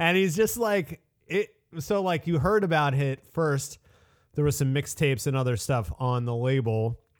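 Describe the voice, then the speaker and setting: A man's lively, fairly high-pitched delivery at a moderate pace, a plain, everyday voice with very even loudness in a very clean recording with a silent background. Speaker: podcast co-host. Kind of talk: casual chat.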